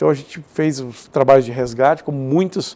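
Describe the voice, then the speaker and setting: Moderately paced male speech, fairly high in pitch, with ordinary pitch variation. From Rio Grande do Sul, Brazil. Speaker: real estate auction entrepreneur. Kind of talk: TV interview. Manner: halting, repeats words.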